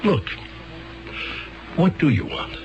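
An actor playing an earnest, flustered American court-appointed lawyer in a 1970s radio drama, stammering and hesitating. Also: male voice, slow pace, a little mellow, muffled recording, lightly acted. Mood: exasperated, coaxing. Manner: hesitant, stammering, throat-clearing. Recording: band-limited 1970s radio broadcast, music.

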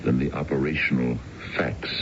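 Very deep-voiced dignified older executive. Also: male voice, steady tone. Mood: discreet, calculating. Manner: formal, measured, businesslike. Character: dignified older male executive, secretly a crooked schemer. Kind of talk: 1970s radio drama acting. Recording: dull, noisy old radio broadcast.

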